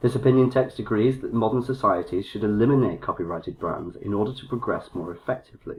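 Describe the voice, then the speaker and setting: The delivery is very fast and somewhat breathy, with hardly any pauses and ordinary pitch variation. Loudness swings a lot. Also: man, medium pitch for a man. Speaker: IELTS tutor. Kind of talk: essay correction tutorial.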